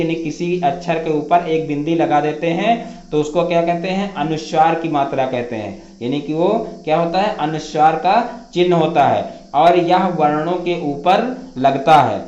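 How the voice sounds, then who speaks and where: A man teaching grammar in a patient, repetitive way, asking a question and then answering it. His voice sits a little high. The recording is roomy and dull, like a lo-fi capture in a bare room. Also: darkish tone, a little hiss or hum. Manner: repeats each definition and asks rhetorical questions. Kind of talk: classroom grammar lesson. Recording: echoey room, dull lo-fi sound.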